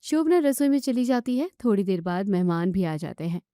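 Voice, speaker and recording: A woman narrating a scripted cartoon story in a calm, plain way. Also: medium pitch, fairly quick, no echo, studio quality.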